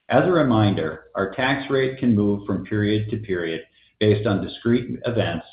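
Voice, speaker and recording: A man with a fairly low voice delivers a scripted corporate earnings report. He reads prepared figures in a formal, businesslike way as a finance executive. The recording is echoey and slightly dull, like conference call audio.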